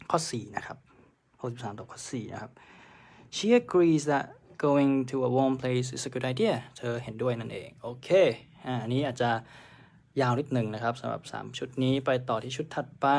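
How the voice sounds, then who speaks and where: Man, exam tutor, live online lesson, gravelly voice, chatty explanations with English terms mixed in. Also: mid-range voice. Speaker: exam prep teacher. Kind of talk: live-streamed lesson explaining test answers.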